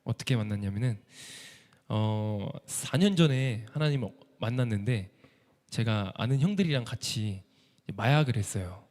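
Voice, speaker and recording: A man giving an emotional church testimony as a missionary violinist, telling his story with animated feeling. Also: lowish voice, normal speed. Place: church sanctuary. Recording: echoey church hall.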